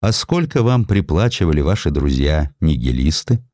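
A man's voice: very deep voice, sing-song, normal speed, warm tone, dry recording, studio quality, exaggerated voice. A man voicing a spiteful presiding judge in an audio drama, questioning with caustic irony. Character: spiteful, sneering male presiding judge of Tsarist court.

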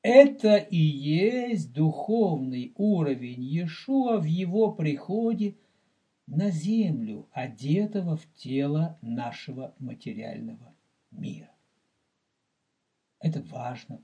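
Slow, husky-voiced male religious teacher. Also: a little high, animated, mellow, lo-fi sound. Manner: slow, deliberate, addresses listener directly; explains terms and repeats for emphasis. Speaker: rabbi teaching Kabbalah. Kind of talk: recorded religious lecture.

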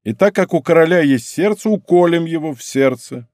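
A man's voice: fairly high pitch, animated, moderate pace, darkish tone, no echo, voice pushed up, natural voice. A man reading an audiobook, voicing a proud king who speaks coldly and sarcastically. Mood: cold mockery. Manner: cold, sarcastic, restrained. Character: cold, proud, mocking young king.

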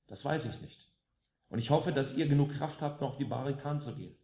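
A man's voice: medium pitch, a little fast, creaky, warm tone. A man from West Germany addressing a live concert audience between songs, speaking emphatically with sarcastic jabs and rhetorical questions. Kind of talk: rousing political stage speech. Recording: roomy live room with faint music.

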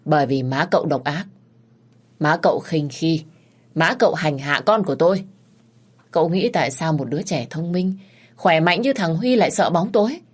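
A woman's voice: sits low, animated, moderate pace, slightly rough. A woman voicing a bitter, grieving old servant woman who accuses her mistress's son. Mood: accusing. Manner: accusing, resentful.

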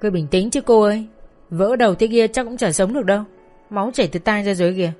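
A woman's voice: medium pitch, fast talker, darkish tone, faint music behind, natural voice. Woman doing a blunt roadside bystander. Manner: blunt, matter-of-fact.

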